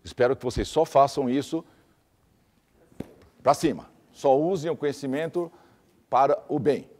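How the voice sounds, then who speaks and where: A man's voice: mid-range voice, darkish tone, in a large hall. A man giving a teaching lecture, explaining step by step with lists and repeated examples.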